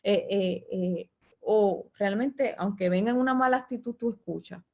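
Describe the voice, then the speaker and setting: A woman's voice: mid-range voice, moderate pace, gravelly, a little mellow. A woman teaching a class on Christian counseling, speaking in a lecturing tone and often adding "¿verdad?" and "eh". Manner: frequent "¿verdad?" tag questions and filler "eh".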